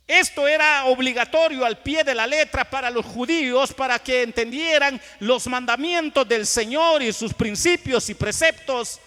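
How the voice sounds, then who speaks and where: A male pastor with a Guatemalan Spanish accent preaching a sermon in a church, swelling to loud emphasis and dropping to quiet asides. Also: very high-pitched. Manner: acts out dialogues with churchgoers. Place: church sanctuary. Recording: long church reverb.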